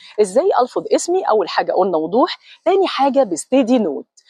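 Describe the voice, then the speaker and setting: With an Egyptian accent, a woman talks at a fairly quick pace using very wide pitch swings, in a dry, close sound with no echo. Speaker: voice and dubbing coach. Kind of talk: instructional talk to camera.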